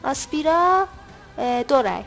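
A woman co-hosting a podcast, reading out poll results in casual chat, brisk and a little teasing. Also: high-pitched, sing-song, creaky, fairly bright tone, soft background music. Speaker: podcast co-host.

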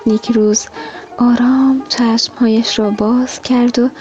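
A high-voiced woman narrates a children's story in a calm, soft manner. Her tone is mellow and dark rather than bright. Dull, lo-fi radio sound carries soft music underneath. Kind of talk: scripted narration.

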